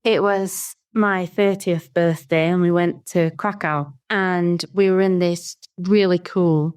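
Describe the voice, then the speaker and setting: A woman's voice: on the low side, steady tone, slow pace, darkish tone, smooth. A woman in her thirties chatting casually as a podcast guest. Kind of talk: casual interview chat.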